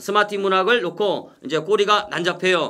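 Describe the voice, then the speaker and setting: A man's high-pitched voice is raised and projected. His tone is bright and sharp, with ordinary pitch variation. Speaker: horse racing tipster. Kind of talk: solo racing tips broadcast. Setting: solo online broadcast. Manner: fast; frequent filler hesitations.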